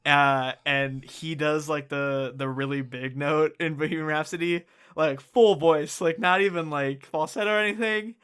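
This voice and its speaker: Young male tenor, a bit high-pitched, excitable podcast co-host who swears freely. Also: normal speed, hardly any pauses, smooth. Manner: excitable, swears a lot, many fillers. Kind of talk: casual chat.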